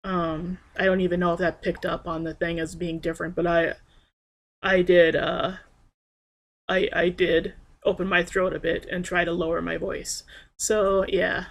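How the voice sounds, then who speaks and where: A young trans man rambling in a personal video diary, hesitant and soft-spoken with frequent pauses and restarts. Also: sits high, flat delivery, vocal fry. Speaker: vlogger.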